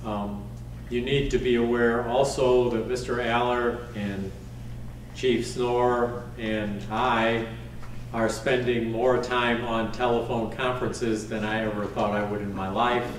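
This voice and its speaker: A man chairing a council meeting as mayor, giving a formal update in a measured way with frequent ums. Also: medium pitch, flat delivery. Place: wood-paneled council chamber. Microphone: desk microphone from a far camera. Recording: roomy chamber, distant mic, faint hiss.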